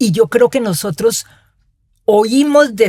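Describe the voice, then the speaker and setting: Somewhat breathy and fairly high in pitch, a woman's voice sounds dry and close with no echo. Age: 70s. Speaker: writer and sister of a late author. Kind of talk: interview. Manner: halting.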